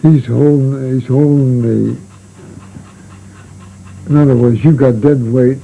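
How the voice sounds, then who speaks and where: An older man recalling his seafaring days in a casual spoken memoir. He talks in a halting, rambling way, full of restarts and fillers. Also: medium pitch, fairly even intonation, vocal fry, warm tone, a little hiss or hum, rough recording.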